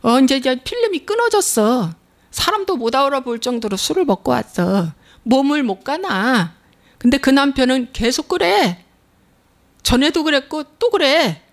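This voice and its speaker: Woman preacher, conversational sermon delivery, punchy repeated questions, voice on the higher side. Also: expressive, moderate pace. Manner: emphatic, repeating rhetorical questions; plain spoken, conversational preaching. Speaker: pastor.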